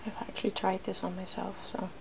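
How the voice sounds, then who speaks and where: A woman hosting an ASMR video, talking softly through a hands-on demonstration and slipping now and then into whispers. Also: mid-range voice, little pitch movement, fairly quick. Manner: soft-spoken, slipping into whispers. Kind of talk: ASMR, soft-spoken makeup demonstration. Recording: clear background noise.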